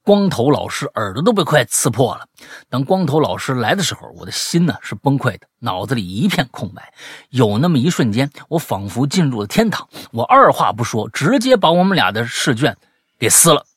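A man hosting a chat show, reading listener letters aloud and teasing them with animated, mock-indignant commentary. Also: mid-range voice, brisk, husky, no room sound, studio quality. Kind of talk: comic commentary on listener stories.

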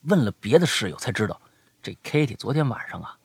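Chatting casually on his podcast, a young man recounts stories sent in by listeners, lively in delivery and sinking into a whisper at tense moments. He speaks somewhat quickly in a mid-range voice that is creaky and slightly rough, captured dry.

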